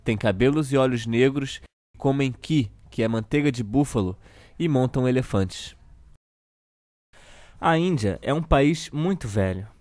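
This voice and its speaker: Guy doing a brazilian kids tv uncle reading storybook, deliberate and theatrical, dry close sound. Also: medium pitch, a little mellow, no echo, close to an everyday voice. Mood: storytelling. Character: children's TV show host uncle reading a satirical storybook. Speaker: storyteller host of a kids' show.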